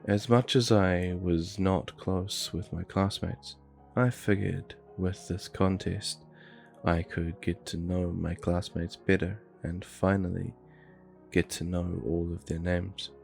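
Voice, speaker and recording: A man narrating a scripted horror story in a measured, low-key way. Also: level tone, gravelly, darkish tone, faint music behind.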